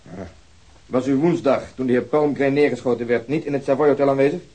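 A blunt police detective with a husky, breathy edge, voiced by a man in a radio play. He is impatient and sarcastic. His lines come fast and mocking. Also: medium pitch, steady tone, mellow, natural voice. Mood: curt.

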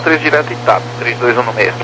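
Brazilian male, air traffic control radio, very quick clipped phrases, noisy humming channel. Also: medium pitch, lively intonation. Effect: aviation radio.

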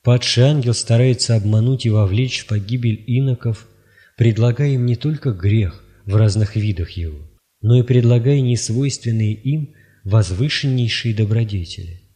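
A man reading spiritual writings aloud in a measured, solemn, even delivery. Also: medium pitch. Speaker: audiobook reader.

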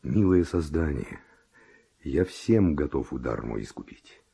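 A very deep-voiced, ardent seducer. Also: male voice, animated, vocal fry, warm tone, slightly rough, full character voice. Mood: seductive, pleading. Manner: slow, declamatory, rhetorical courting. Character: Don Juan, passionate male seducer, ardent and pleading. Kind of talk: classic Russian radio drama acting of verse.

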